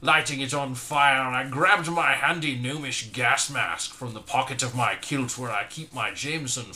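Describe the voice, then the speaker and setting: Man, comic verse reader, very bright tone, mock-dramatic delivery with loud bursts. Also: medium pitch, slight background noise. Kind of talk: comic dramatic poem reading.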